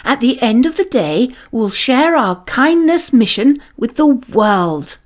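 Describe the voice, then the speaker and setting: A woman plays an encouraging female primary school teacher from a children's storybook. She is cheerful and emphatic, with a high, very animated voice and slow, drawn-out words. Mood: excited, encouraging.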